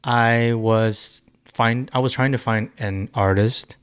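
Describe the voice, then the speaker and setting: A young man in his twenties, raised in China and Taiwan, answering questions as a podcast guest in a thoughtful, halting way with many restarts. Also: mid-range voice, steady tone, a bit bright, clean tone, no echo, clean studio sound. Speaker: musician guest. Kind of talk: casual podcast interview.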